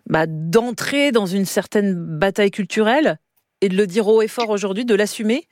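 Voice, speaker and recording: Woman news host, brisk and direct, mid pitch, dry studio. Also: darkish tone, dry recording. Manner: brisk, scripted intro then direct questions. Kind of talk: radio interview.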